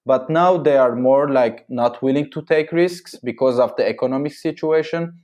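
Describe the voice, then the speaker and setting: A Syrian man who owns a marketing agency answers questions as a podcast guest in non-native English, using many fillers and restarts. His first languages are Armenian and Arabic, and his mid-range voice is a little mellow, at a normal speed.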